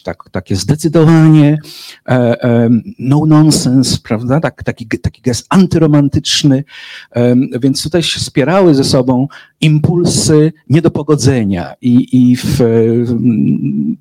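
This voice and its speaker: A thoughtful man in an interview, pausing and circling back on his words as he goes. He has an average-pitched voice. It is recorded close and dry, with no room echo. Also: mellow. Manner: hesitant, many fillers and restarts, thoughtful. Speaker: literary translator. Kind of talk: interview answers.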